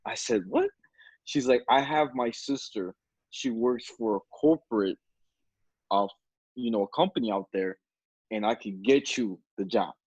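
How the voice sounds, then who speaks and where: A man's voice: medium pitch, unhurried, long pauses, darkish tone, breathy edge, no echo, low-quality recording. A man in his twenties on a video call, telling stories with frequent laughs. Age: 20s. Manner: storytelling, laughs often. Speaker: podcast host. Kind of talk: casual chat on a video call. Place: indoor room at home. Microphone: video call webcam.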